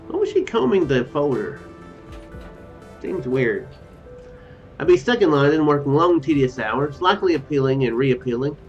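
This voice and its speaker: A man in his thirties streams a game from a small room at home, reading its text aloud and breaking off to muse and correct himself. His fairly high voice is expressive, at a moderate pace with frequent pauses, captured on a dull lo-fi mic with game music behind.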